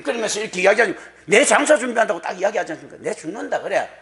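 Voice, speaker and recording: Gravelly, dramatic pastor preaching. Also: male voice, sits high, animated, very fast. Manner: dramatic, colloquial, swings from loud to hushed whispers. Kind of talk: sermon.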